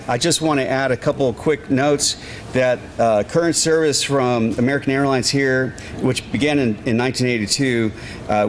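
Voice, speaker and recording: Plain-spoken man at a noisy press conference. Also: mid-range voice. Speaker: airport official. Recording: noisy event with background ambience.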